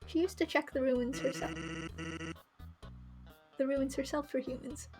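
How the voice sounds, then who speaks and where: A woman's voice: high-pitched, fairly even intonation, a little slow. A woman voicing an easygoing, joking male skeleton from a visual novel game, in a casual, friendly manner. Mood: laid-back, friendly. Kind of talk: visual novel character read aloud. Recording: music behind the voice.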